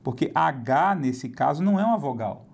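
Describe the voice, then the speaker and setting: A teacher, a man, records a lesson. His voice sits a little high and has a gravelly rasp. He goes slowly through each example word and says it more than once. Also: expressive, darkish tone. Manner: explains slowly and repeats examples, spelling out English words. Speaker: English teacher.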